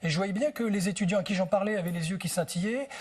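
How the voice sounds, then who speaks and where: A man's voice: high-pitched, fast talker, breathy edge. A man being interviewed as a translator on TV, telling anecdotes in a thoughtful way and searching for words. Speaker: book translator, interview guest.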